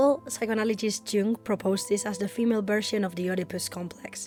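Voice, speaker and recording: A woman with a medium pitch talks at a fairly quick pace while music plays in the background. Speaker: mythology and psychology YouTuber. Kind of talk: casual humorous educational talk to camera.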